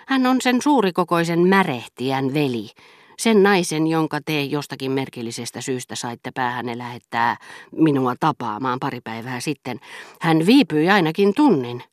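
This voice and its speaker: A woman voicing a witty, sharp-tongued aristocratic duchess who mocks with theatrical exclamations in an audiobook. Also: very deep voice, expressive, no room sound, clean studio sound. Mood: mocking. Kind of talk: audiobook character reading.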